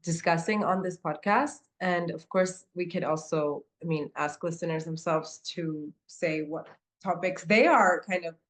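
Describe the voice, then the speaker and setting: A woman's voice: on the low side, a little slow, a bit bright. A woman co-hosting a podcast, searching for words with many fillers. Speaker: podcast co-host. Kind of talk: casual conversational podcast.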